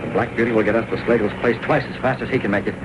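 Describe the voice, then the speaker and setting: Guy voicing masked crime fighter, calm, crisp orders, loud hiss from old radio. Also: on the low side, racing, lightly acted. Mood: commanding. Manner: crisp, commanding. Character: masked male crime-fighter, cool and commanding. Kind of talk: 1930s radio acting.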